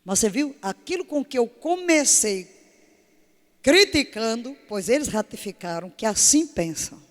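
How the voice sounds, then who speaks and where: A woman's voice: a little high, expressive, a little slow, big-room sound. A woman preaching a sermon to her congregation in an emphatic way, full of rhetorical questions. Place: church service.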